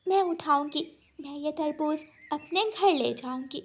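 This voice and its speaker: A woman voicing a small, kind female sparrow who feels weak, speaking softly and plaintively. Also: unhurried. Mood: determined. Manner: soft, plaintive, high and eager.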